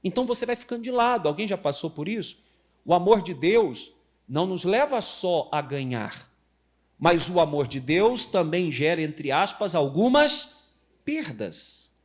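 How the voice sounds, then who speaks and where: A middle-aged Brazilian pastor preaches at a church service with a high voice that leaps around expressively. He tells his stories animatedly, acts out family members, and keeps turning to the congregation with questions. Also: a little mellow. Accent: Brazilian Portuguese. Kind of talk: lively live church sermon with family anecdotes.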